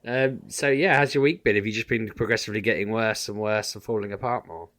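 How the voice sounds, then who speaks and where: A man co-hosting a podcast, slightly husky after a few beers, laid-back and self-mocking. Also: on the low side, fast talker, fairly bright tone, no echo, studio quality. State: a bit husky, has had a few beers. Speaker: podcast co-host. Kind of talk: casual chat.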